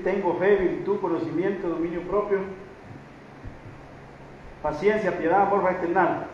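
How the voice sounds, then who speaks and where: A man's voice: extremely high pitch, fairly bright tone. A man preaching a sermon to a congregation, often checking in with "right?" and repeating a call for God's help. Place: church hall. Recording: very echoey, muffled church recording with faint noise.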